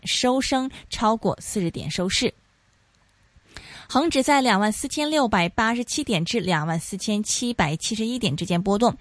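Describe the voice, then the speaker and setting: A woman hosting a radio finance show, reading scripted market news briskly with small slips and self-corrections. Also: medium pitch, no echo. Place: radio studio.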